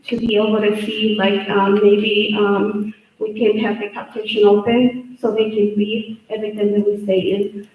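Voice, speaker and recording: A woman's voice: mid-range voice, dark tone. A middle-aged woman from El Salvador, speaking English with a Salvadoran Spanish accent, makes an earnest plea at a public hearing. She restarts and repeats phrases as she speaks. Her voice reaches the mic from a distance, with heavy room echo. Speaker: state representative giving public testimony. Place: large echoey hearing room. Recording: echoey hall, voice far from mic.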